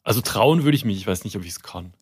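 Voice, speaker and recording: A man, a guest author in a casual interview, talking in halting restarts with self-deprecating humor. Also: lowish voice, animated, slightly rough, soft background music.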